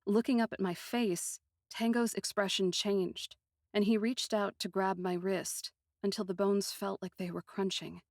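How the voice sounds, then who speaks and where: In an expressive, literary style with deliberate phrasing, a woman narrates a fantasy story in the first person. Her voice is mid-range, and the studio-quality recording has no room sound.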